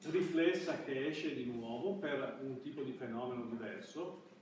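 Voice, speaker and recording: A middle-aged man giving a classroom lecture in a halting, hesitant way. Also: mid-range voice. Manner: halting, hesitant delivery with broken-off words. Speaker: university lecturer. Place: university classroom, indoors. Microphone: far camera at back of room. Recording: echoey room, distant microphone, background noise.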